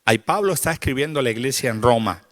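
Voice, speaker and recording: A male pastor preaching a sermon. He talks with repetitive, rhythmic calls to the congregation and swings from quiet, confessional passages to loud, rising climaxes. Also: mid-range voice, expressive, quick pace.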